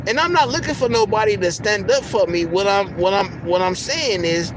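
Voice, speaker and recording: A man with a soft, squeaky voice ranting heatedly on a livestream, swearing a lot and stumbling over repeated words. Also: animated, normal speed, background noise. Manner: heated, profane, repeats words when worked up. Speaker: livestream host. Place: in a car.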